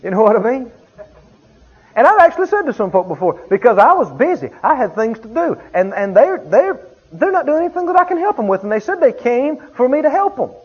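A man's voice: very high-pitched, big pitch swings, brisk, a little mellow, breathy edge. A male pastor preaching a sermon in an emphatic, repetitive storytelling way. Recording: dull lo-fi sound.

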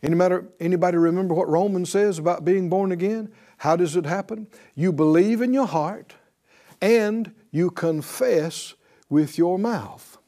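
A man's voice: high voice, normal speed, warm tone. A man preaching a sermon as pastor, exhorting his congregation with call-and-response and repeating phrases for emphasis.

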